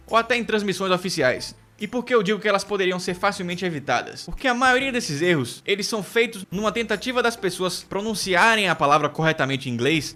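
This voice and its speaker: A man from the United Kingdom with a bright, high voice teaches pronunciation in an online English lesson. As an English teacher, he explains clearly and repeats words slowly to model how they sound.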